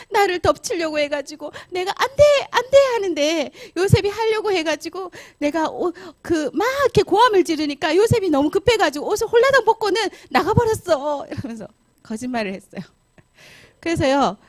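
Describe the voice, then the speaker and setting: Pastor's wife leading Sunday school; high and highly animated, quizzes the kids as she tells the story. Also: dry recording. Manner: animated, asks the children questions. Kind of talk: children's Bible storytelling.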